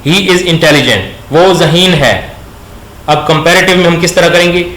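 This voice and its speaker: A man teaching a grammar lesson, asking questions and slowly repeating words for his students. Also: on the high side, a bit bright. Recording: echoey room with faint background noise.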